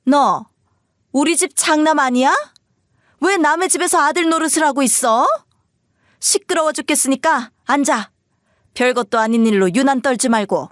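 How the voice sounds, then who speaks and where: A woman's voice: high voice, expressive, normal speed, fairly bright tone, no room sound, clean studio sound, voice pushed up. A woman voicing a bossy, scornful middle-aged mother-in-law who scolds and sneers, for an audio story. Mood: scornful scolding.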